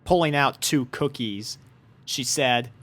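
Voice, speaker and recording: A man's voice: medium pitch, slow, fairly bright tone. A man reading a fan fiction story aloud as its narrator, in scripted storybook narration. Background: background music.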